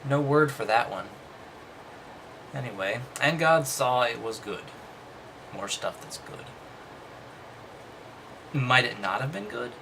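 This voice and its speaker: Between read-aloud passages, this man offers casual commentary full of dry, doubtful, dismissive remarks. His mid-range voice is animated and creaky, moving at a slow pace with frequent pauses, and the background is noisy.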